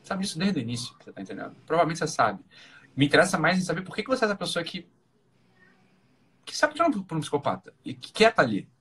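Casting: Brazilian-accented man, husky, very fast talker, blunt advice-giver who hammers points with repeats and rhetorical questions. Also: fairly high pitch, big pitch swings, fairly bright tone. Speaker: live-talk host giving relationship advice. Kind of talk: informal opinionated talk.

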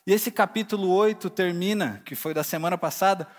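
A man's voice: sits high, brisk, big-room sound. A Brazilian man preaching a casual sermon, retelling the scene vividly in slang and acting out the people in it. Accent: Brazilian Portuguese. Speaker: pastor.

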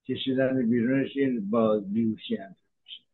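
A man, a physician from Iran, giving a measured health talk that explains medical terms, with frequent hesitations. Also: mid-range voice, steady tone, slightly rough, narrow, tinny audio.

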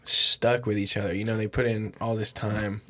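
A man's voice: on the low side, flat delivery, moderate pace, bright, forceful tone. A young man in casual podcast chat with a slangy, crude frat-bro way of talking.

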